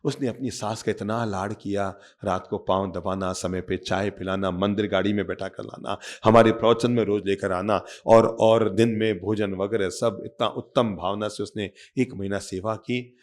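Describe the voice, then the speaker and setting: A man with a fairly low voice, preaching as a monk to an audience. He tells his tale like a storyteller, acts out the voices of its people and draws his listeners in. His voice fills a meditation hall. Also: steady tone, normal speed, few pauses, a little mellow. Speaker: monk giving a spiritual discourse. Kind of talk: Hindi sermon storytelling.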